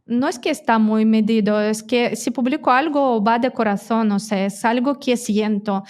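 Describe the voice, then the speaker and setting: A woman's voice: on the high side, normal speed, darkish tone. A woman who speaks Spanish as a non-native language, being interviewed in a direct, earnest way with frequent hesitations. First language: not Spanish. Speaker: interview guest. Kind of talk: conversational interview.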